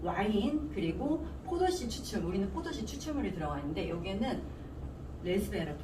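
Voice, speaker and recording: A woman presents product information like an informal class, with a very lively, swinging intonation. She repeats key terms and puts questions to her listeners. The recording is roomy and clearly noisy, with her voice a little away from the mic. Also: medium pitch, a little fast, far from the mic. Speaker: product presenter teaching supplement ingredients.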